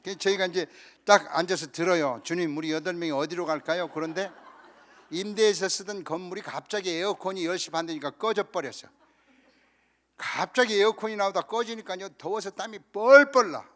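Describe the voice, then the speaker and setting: A Korean pastor in his fifties preaching a lively, humorous story sermon at a church camp, acting out the people in his story. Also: high voice, moderate pace. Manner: animated storytelling, acting out quoted voices with laughter.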